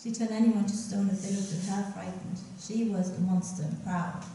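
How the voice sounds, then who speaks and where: Strong room echo surrounds a woman speaking at a moderate pace. Her intonation is fairly even, with faint music in the background. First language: not English. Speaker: poet. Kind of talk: poetry reading. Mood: gentle, warm, smiling. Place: stage.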